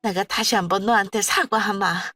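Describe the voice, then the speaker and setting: A woman's voice: mid-range voice, steady tone, moderate pace, bright, forceful tone, no room sound, clean studio sound. A woman voicing a stubborn, self-pitying older mother-in-law who whines and scolds. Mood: pleading. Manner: whiny, scolding, later pleading.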